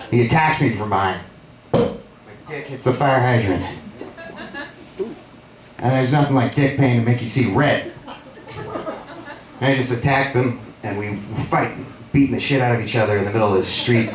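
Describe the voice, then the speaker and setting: A man performing a stand-up comedy set on a theater stage, telling stories with animated delivery and jumping into high squeals for the people he quotes. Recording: roomy, distant live theater recording with crowd laughter. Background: audience laughter.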